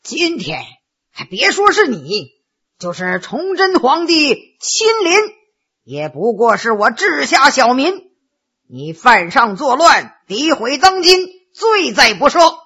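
A woman voicing a stern, domineering middle-aged warlord king in a Chinese storytelling performance, speaking slowly and weightily. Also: sits high, very animated, bright, forceful tone, husky, heavily acted. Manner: commanding, slow and weighty.

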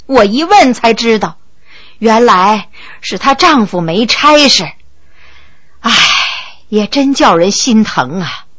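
A woman voicing a kindly, rambling elderly empress dowager in a storybook, speaking slowly with sighs. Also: on the high side, very animated, a bit bright, dry recording, clean studio sound, voice pushed down, full character voice. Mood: chatty. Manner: slow, chatty, sighing.

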